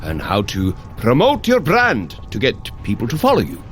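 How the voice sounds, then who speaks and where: A man's voice: mid-range voice, huge pitch swings, moderate pace. An actor playing a hearty, jovial male thunder god who cheers on a runner in a scripted audio drama and laughs easily. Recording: music bed under the voice.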